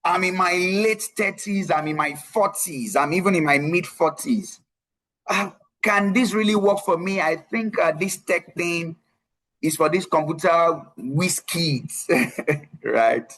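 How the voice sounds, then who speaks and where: Man, slightly high pitch, emphatic, repeats himself, online career coach. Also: slow, fairly bright tone. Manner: emphatic, repeats key phrases, frequent tag "right?". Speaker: tech career coach presenting a webinar. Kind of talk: live online presentation with screen share.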